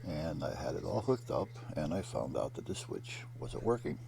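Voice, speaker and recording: A man's voice: very deep voice, sing-song, normal speed, gravelly, mellow, a little hiss or hum. A man giving a casual, rambling voice-over that explains a hands-on DIY repair step by step in a plain-spoken, matter-of-fact way. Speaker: hobbyist narrating a repair project.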